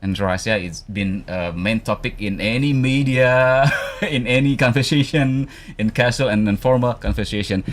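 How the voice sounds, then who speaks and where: A man's voice: mid-range voice, normal speed, hardly any pauses. A man with an Indonesian accent hosting a radio talk show in the studio, opening with enthusiastic greetings and asking questions. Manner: enthusiastic, frequent mm-hmm backchannels. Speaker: radio host.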